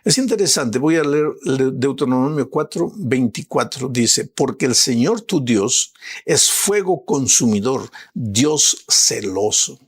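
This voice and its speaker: A man, a pastor, giving a sermon with slow, emphatic preaching and rising appeals. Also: medium pitch, expressive, slightly rough.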